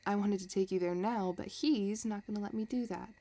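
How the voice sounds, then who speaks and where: A woman playing a possessive, scheming villain in a romantic audio roleplay, talking in a soft, teasing, calculating way. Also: medium pitch, steady tone, fairly quick, close to an everyday voice. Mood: intimate, possessive. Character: possessive, scheming female villain obsessed with her crush.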